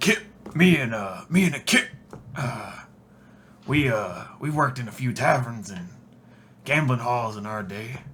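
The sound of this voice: A man's put-on character voice at medium pitch and a moderate pace, with lively intonation, big swings in loudness and long, frequent pauses.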